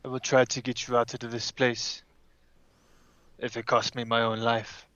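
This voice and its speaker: A man playing a tabletop game, speaking in character with measured, deliberate phrasing. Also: medium pitch, little pitch movement, a bit bright, no room sound, dull audio. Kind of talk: in-character roleplay mixed with casual play.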